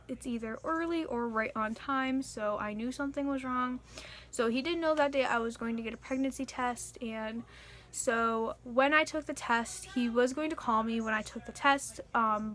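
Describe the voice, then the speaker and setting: Chatty young woman, high voice. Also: fairly bright tone. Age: young adult. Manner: chatty and earnest, frequent likes and fillers. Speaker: vlogger. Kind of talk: casual Q and A vlog.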